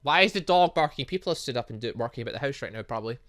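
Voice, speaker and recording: A let's play host with a bright, forceful voice of middling pitch. The delivery is very animated, moving between reading game text aloud and offhand, jokey commentary. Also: very fast. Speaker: gaming video host.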